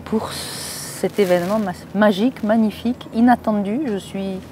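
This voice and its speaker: A middle-aged woman, chatting casually and lively with her son, easily impressed. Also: medium pitch, normal speed, a little hiss or hum. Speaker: vlogger's mother. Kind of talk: casual chat.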